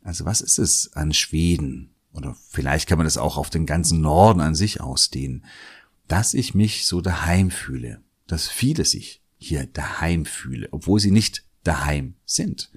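A man's voice: extremely low pitch, animated, moderate pace, breathy edge. A German-speaking man hosting a solo podcast, talking in a thoughtful, musing way and often repeating words as he weighs his thoughts. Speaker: podcast host. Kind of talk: reflective solo podcast monologue.

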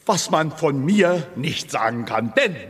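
An actor playing a pompous, hypochondriac small-town mayor giving a speech in a radio play. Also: male voice, a little high, sing-song, a little slow, husky, heavily acted. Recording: hall reverb from an audio clip.

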